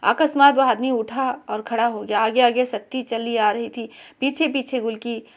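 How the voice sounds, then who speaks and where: Woman narrator, slightly high voice, expressive story reading. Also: normal speed. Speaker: story reader.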